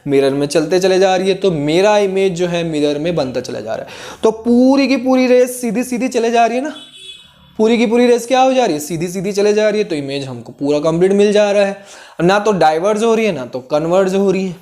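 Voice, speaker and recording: A man teaches a physics class in Hindi sprinkled with English terms, his high voice darkish in tone, lively in intonation and a little fast. He works through the material step by step, repeating key phrases and often asking students whether they're following.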